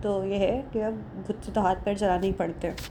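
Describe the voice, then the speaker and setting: With a monotone, flat intonation, a medium-pitched woman talks at a moderate pace. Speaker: vlogger. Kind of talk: casual vlog narration. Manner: low-energy.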